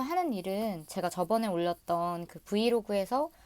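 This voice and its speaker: In a very clean recording with a silent background, a woman speaks fairly quickly at a medium pitch with lively intonation. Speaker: vlogger, office worker abroad. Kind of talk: casual Q&A vlog talk. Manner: hesitant with frequent fillers.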